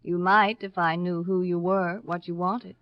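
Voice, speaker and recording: A woman's voice: fairly low pitch, flat delivery, unhurried, no echo, natural voice. An actress playing a cool, coy, guarded woman in an old radio detective serial, teasing and evasive in her delivery. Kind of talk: 1950s American radio detective serial acting. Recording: dry, dull old radio recording.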